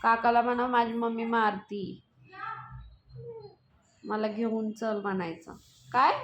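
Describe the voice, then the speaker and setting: A woman's voice: fairly high pitch, level tone, slow pace, roomy sound, lo-fi sound. A woman talking to her small child at home, coaxing and scolding by turns. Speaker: mother. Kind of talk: casual home vlog talk to a child.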